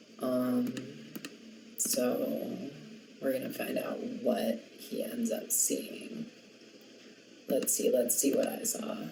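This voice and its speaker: Soft-spoken delivery at a very slow pace, with long, frequent pauses and noticeable background noise. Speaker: gaming youtuber. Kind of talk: game commentary. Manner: hesitant, many fillers.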